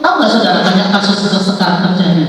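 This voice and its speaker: A woman's voice: medium pitch, fast. A middle-aged woman with an Indonesian accent preaching a sermon. She talks in a conversational way and tells personal stories, quoting her children. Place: church sanctuary. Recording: echoey church hall, distant mic.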